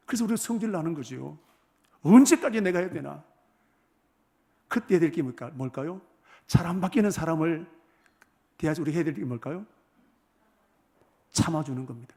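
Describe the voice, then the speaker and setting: A male pastor delivers a sermon in a church sanctuary, his voice sitting a little higher than most men's. He keeps turning questions on the congregation and drops to near whispers before surging loud again. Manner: asks the congregation rhetorical questions, loudness swings from hushed to forceful. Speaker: senior pastor.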